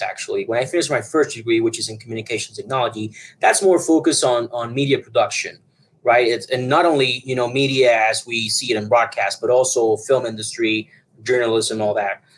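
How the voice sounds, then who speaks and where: A broadcast engineer from Puerto Rico in his thirties talks as a guest in a conversational interview, rambling with many fillers and restarts. His mid-range voice is a bit bright and moves at normal speed, though the audio quality is poor.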